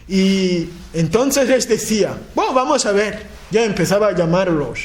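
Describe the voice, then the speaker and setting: A man from Africa preaching a sermon, speaking in halting phrases, restarting and repeating words, often checking in with his listeners. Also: lively intonation. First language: a language of his homeland. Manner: chanting repeated proclamations with rising pitch.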